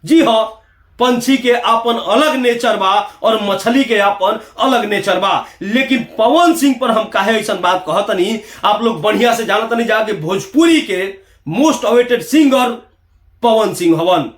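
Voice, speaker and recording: Male online commentator, high voice, Bihari Bhojpuri accent, emphatic and rhetorical, roomy echo. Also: measured pace, a bit bright. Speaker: YouTube commentator. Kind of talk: opinionated video commentary to viewers.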